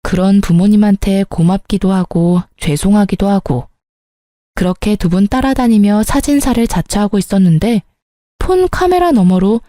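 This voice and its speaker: A woman narrates a first-person story in a calm, steady voice with a mellow, dark tone. She is recorded dry and close on a studio mic. Her reading is even and controlled, like scripted radio narration. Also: mid-range voice, moderate pace, dry recording.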